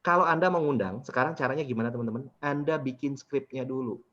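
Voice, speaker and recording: Lively man leading a business workshop. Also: medium pitch, quick pace. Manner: lively, keeps asking the audience questions. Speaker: business trainer. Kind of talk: workshop talk to participants. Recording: dull lo-fi recording.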